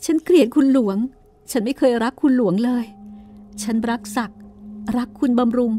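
A woman's voice: a little high, normal speed, slight background noise, pitched above the performer's own voice, lightly acted. A woman voicing a weeping, weary aging wife. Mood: tearful, pleading. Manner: tearful, pleading. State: crying. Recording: music bed with singing bowl. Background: soft meditative music.

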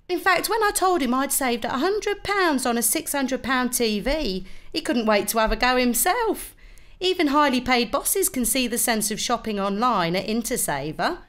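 A woman's voice: high voice, fairly bright tone. A British woman playing a cheeky, confiding female office worker in a scripted comic radio advert. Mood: amused, upbeat. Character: cheeky female office worker making innuendo-laden confession.

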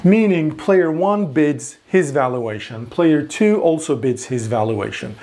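A man's voice: on the high side, lively intonation, unhurried, darkish tone. Man lecturing at a whiteboard. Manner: explanatory, repeats words while thinking, frequent "all right?" checks. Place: classroom in front of a whiteboard.

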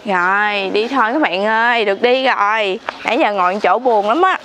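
A woman's voice: mid-range voice, moderate pace, a crowd in the background. A young woman with a southern Vietnamese accent, chatting in a familiar, exclamatory way as a street vendor and vlogger. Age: young adult. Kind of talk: casual chat with customers and viewers. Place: open roadside yard outdoors. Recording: outdoor street noise behind voice.

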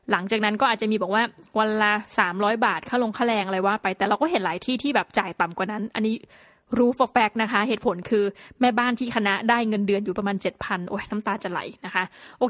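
A woman hosting a podcast, telling chatty and playful stories with lively exclamations. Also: medium pitch, no echo, studio quality. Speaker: podcast host. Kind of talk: casual solo podcast talk.

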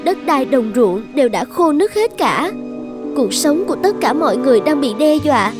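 A woman playing a devout, self-sacrificing young tribal maiden in an animated folktale, earnest and reverent. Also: high-pitched, normal speed, over music. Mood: reverent pleading. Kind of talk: dubbed animated folktale acting.

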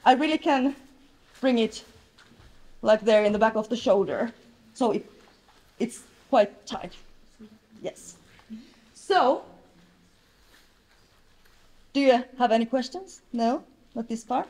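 A woman in her thirties with a Finnish accent runs a hands-on jiu-jitsu class. Her voice sits high and she talks slowly, stopping often. She speaks loudly and plainly, recorded by a distant camera in a large, bright training hall. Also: animated. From Finland. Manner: loud voice, plain halting instruction. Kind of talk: live technique demonstration.

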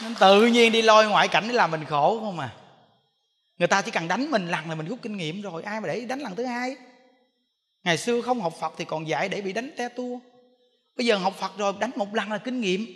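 A Buddhist monk with a Southern Vietnamese accent giving a sermon, telling stories animatedly and laughing with the audience in a temple hall. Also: male voice, high voice, moderate pace, a bit bright. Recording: long reverb in a large hall.

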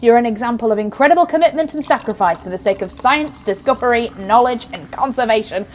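A brisk, obsessive female scientist acted by a woman in an audio drama. Her voice sits fairly high, with a dry wit and natural delivery. Faint noise lies behind it. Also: expressive, lightly acted. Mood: brisk, affectionate. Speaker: actor.

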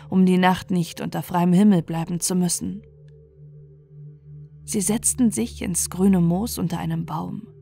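A woman narrating a scripted fairy tale for bedtime in a measured, expressive storytelling manner. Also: on the low side, creaky.

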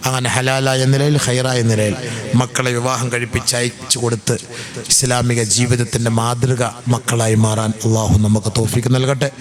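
A man preaching an Islamic sermon in to a gathering, swinging from loud, slow, chanted passages to calm, chatty asides. He questions the audience and jokes with them. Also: medium pitch, a crowd in the background.

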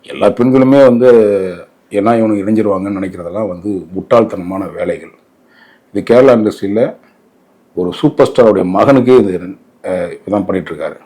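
A man's voice: lowish voice, a little fast, long pauses, dark tone, breathy edge. A man with a Tamil Nadu accent giving opinionated interview commentary in an emphatic, indignant way, often posing rhetorical questions.

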